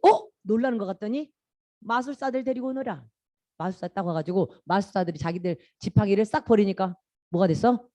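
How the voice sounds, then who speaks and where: A woman giving a children's sermon as a Sunday school teacher, animated and constantly quizzing the children. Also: medium pitch, no echo.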